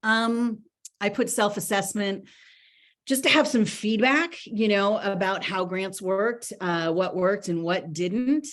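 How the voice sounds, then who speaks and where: A woman's voice: mid-range voice, slow. A woman presenting a grant report to a board in an online meeting, chatty with many ums and restarts. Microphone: video call.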